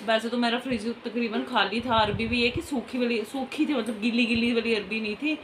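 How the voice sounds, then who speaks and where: A woman's voice: on the high side, steady tone, brisk. A woman in her thirties with a sore throat, chatting casually at home in a family vlog. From Punjab, India. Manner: chatty, scolding kids in bursts, quiet asides. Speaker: vlogger. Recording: ambient background noise.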